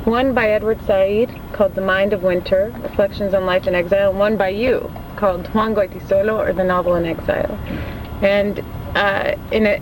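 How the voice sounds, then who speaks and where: A graduate student asking a long interview question, speaking carefully and hesitantly. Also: mid-range voice. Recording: clear background noise.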